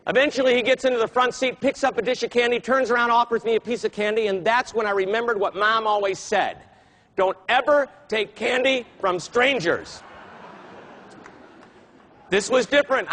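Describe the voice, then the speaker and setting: A man giving a talk to an audience, telling an animated story and acting out the voices he quotes. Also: sits high, poor audio. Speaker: keynote speaker.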